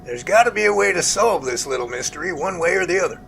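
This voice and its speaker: A man playing a jovial, earnest research professor in an amateur audio drama, with animated, folksy phone talk. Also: sits high, quick pace, gravelly, a little hiss or hum, full character voice. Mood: thoughtful.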